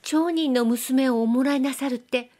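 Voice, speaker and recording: A woman's voice: moderate pace, close to an everyday voice. Woman voicing a coy, nasal young Edo-era girl. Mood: coy, pleading. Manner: high, soft, nasal lilt with polite feminine endings. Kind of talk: audiobook reading.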